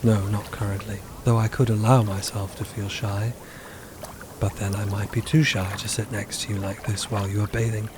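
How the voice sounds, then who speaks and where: Flat, hesitant, formal undead being voiced by a man. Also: lowish voice, normal speed, noisy background, natural voice. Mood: earnest. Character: reserved, secretive undead being passing as alive, earnest, awkward. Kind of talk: understated fiction podcast acting.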